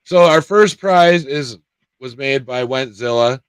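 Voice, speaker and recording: A man's voice: medium pitch, takes it slowly, clean tone, no room sound. A man co-hosting a casual chat show, joking and laughing often. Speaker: podcast co-host.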